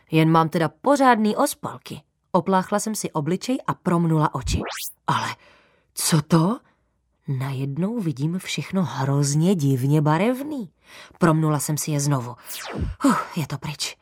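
A woman narrating a children's story in the first person as a girl, lively and playful with whispered asides. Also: sits low, no echo, studio quality.

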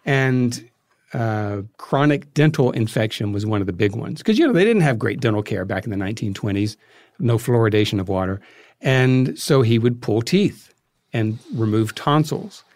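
A man being interviewed as a guest, explaining history in a conversational, halting way as he thinks aloud. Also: medium pitch, expressive, a little mellow, no room sound, clean studio sound. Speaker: interview guest, filmmaker and podcast creator.

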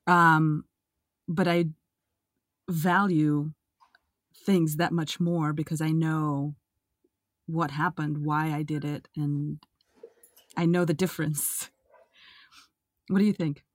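Low-voiced woman interviewer, dry sound. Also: steady tone, slow, long pauses, no echo. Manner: reflective, asks thoughtful questions. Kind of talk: conversational interview.

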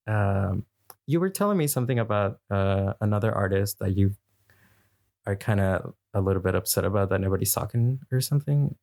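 A man's voice: fairly low pitch, lively intonation, fairly quick, darkish tone. A man co-hosting a casual chat, giggling often and rambling with hesitant restarts.

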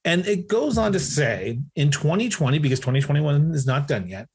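A man's voice: fairly high pitch, lively intonation, normal speed, darkish tone, breathy edge. A man hosting an interview show, speaking with emphasis and repeating words as he stresses his points. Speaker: podcast host.

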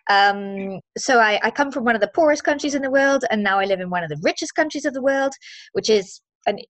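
A woman's voice: on the high side, expressive, brisk, no room sound. A woman in her forties from Zimbabwe, a movement and mindset coach, talking as a guest in an upbeat, chatty way with lots of fillers. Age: 40s. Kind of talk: casual interview chat.

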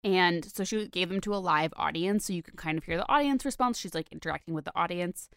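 A young woman from Connecticut, co-hosting a podcast in a chatty, animated way with lots of filler words. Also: fairly low pitch, fast talker, gravelly, clean tone, no echo, studio quality. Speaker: podcast co-host. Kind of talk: casual chat.

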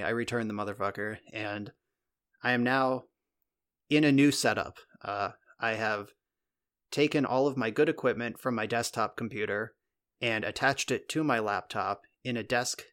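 In a home recording space set up in a converted guest bedroom, a male podcast co-host speaks into a podcast mic. His voice is medium-pitched and a bit bright, and he rambles through a story in casual conversation with the occasional swear word.

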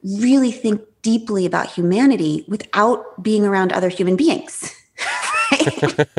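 A woman author with a high-pitched voice, talking fast and openly as a guest in an interview. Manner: fast, animated, self-revealing, many restarts. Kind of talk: casual interview talk.

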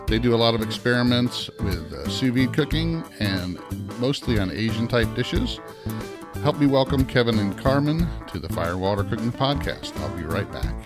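A man's voice: mid-range voice, expressive, moderate pace, music in the background. A middle-aged man from upstate New York hosting a cooking podcast, talking in an easygoing, rambling way with fillers. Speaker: podcast host. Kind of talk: casual podcast chat.

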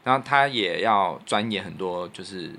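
A man with a Taiwanese Mandarin accent chatting casually and in an animated, opinionated way as a podcast host. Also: low-pitched, normal speed. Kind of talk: casual chat.

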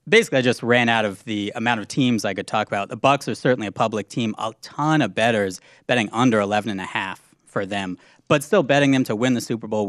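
A man guest on a sports betting podcast, talking through odds in a measured, analytical way. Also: medium pitch, a bit bright, no echo, clean studio sound. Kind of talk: casual podcast chat.

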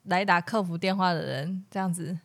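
A woman's voice: on the low side, a little fast. A woman with a Taiwanese Mandarin accent, co-hosting a casual comedy podcast and telling a story, acting out the other people in it. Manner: animated storytelling with laughs and acted quotes. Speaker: podcast co-host.

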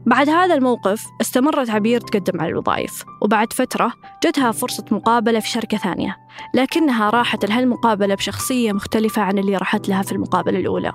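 A woman narrating a documentary podcast in a measured storytelling manner. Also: a little high, soft background music. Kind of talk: scripted narration.

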